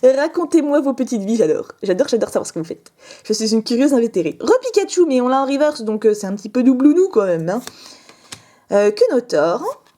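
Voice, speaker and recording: A woman's voice: fairly high pitch, lively intonation, fast talker, mellow. A young woman chatting casually to camera while opening trading cards, bubbly and playful, laughing often with a put-on southern French lilt. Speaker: card-opening vlogger.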